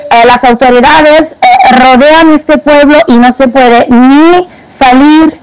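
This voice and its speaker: Slow, hesitant Italian woman. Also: sits high, poor audio. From Italy. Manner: hesitant, many fillers and restarts. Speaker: guest. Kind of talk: phone-in interview testimony.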